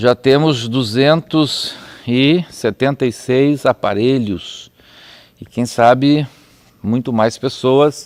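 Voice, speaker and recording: Very slow speech from a man at medium pitch, with fairly even intonation. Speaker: pastor teaching Bible school. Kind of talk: online Bible class lesson. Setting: live online broadcast.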